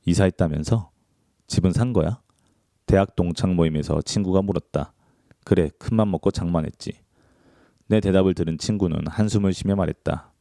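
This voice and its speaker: Deep gravelly man reading a book aloud. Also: dark tone, dry recording, studio quality. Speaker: book reader. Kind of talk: audiobook-style book reading.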